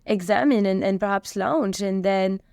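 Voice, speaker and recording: A woman in her thirties from Belgium with a Belgian accent, chatty and animated as she answers interview questions. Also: medium pitch, moderate pace, gravelly, no echo, clean studio sound. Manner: chatty, animated storytelling with restarts. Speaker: company co-founder and CEO.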